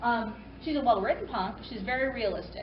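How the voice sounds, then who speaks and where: There is audible room echo and noticeable background noise. Through it, a woman speaks with ordinary pitch variation. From Oklahoma. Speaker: therapist and convention panelist. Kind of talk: convention panel talk. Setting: convention panel room with audience. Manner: fast.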